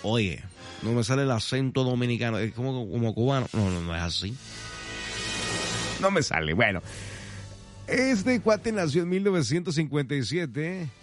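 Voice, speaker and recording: A man hosts a morning radio trivia show, chatting playfully and speaking directly to his listeners. His voice rises and falls widely as he teases the answer. Music plays clearly underneath him. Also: mid-range voice, sing-song, normal speed, pauses often. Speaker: radio host.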